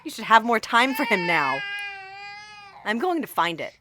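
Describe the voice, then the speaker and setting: An actress playing a devoted, wounded wife in an audio drama, speaking with emotional pleading. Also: female voice, a little high, sing-song, moderate pace, background noise. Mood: upset, tearful.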